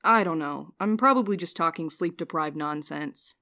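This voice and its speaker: A woman's voice: deep voice, normal speed, sharp tone. A woman playing a wry, guarded, sleep-deprived mail courier in an audio drama, speaking in a dry, weary way. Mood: gentle, apologetic. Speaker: lead actor in a fiction podcast. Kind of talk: naturalistic audio drama acting.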